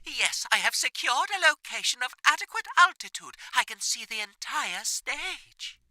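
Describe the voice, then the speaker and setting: A woman playing a prim cartoon accomplice, high and bright. The wording is formal and exact, delivered close and dry with lively pitch movement. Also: normal speed, no room sound, exaggerated voice. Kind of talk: comic dub voice acting.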